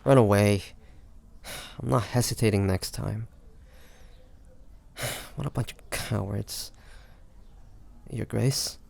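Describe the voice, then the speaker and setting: A man acts out a roguish pirate captain for an intimate audio roleplay. His voice sits fairly low, with a heavy gravelly creak, and he takes his time over every phrase. He is smooth-talking and teasing, yet fiercely protective of the one he addresses. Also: slow, long pauses, darkish tone, heavily acted. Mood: angry, threatening, then concerned, urgent. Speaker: voice actor.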